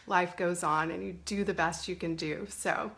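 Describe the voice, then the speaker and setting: A middle-aged woman, slightly hoarse from a cold, hosting a chatty live stream from a family home. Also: on the low side, steady tone, moderate pace, a bit bright. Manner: chatty, greets viewers by name. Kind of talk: casual live-stream talk. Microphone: phone or webcam live stream.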